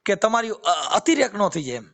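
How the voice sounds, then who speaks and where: A devotional speaker with a YouTube channel gives an informal spiritual talk over the phone, preaching with quoted verses and repeated phrases in a Kathiyawadi Gujarati accent. His voice sits high and a bit bright, with big pitch swings at a moderate pace.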